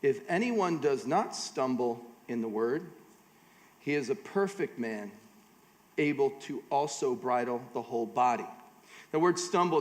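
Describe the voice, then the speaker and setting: American man preaching in an echoing hall. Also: medium pitch. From United States. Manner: casual, joking asides between scripture readings. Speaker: guest preacher at a church conference. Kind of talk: conversational sermon. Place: large church auditorium. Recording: long hall reverb.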